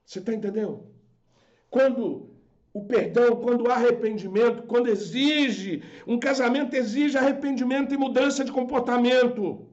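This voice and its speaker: A man's voice: very high voice, normal speed, darkish tone, dull audio. A man with a Brazilian Portuguese accent preaching a fervent, scolding sermon as a pastor on a live stream. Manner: fervent, scolding, acts out quoted voices.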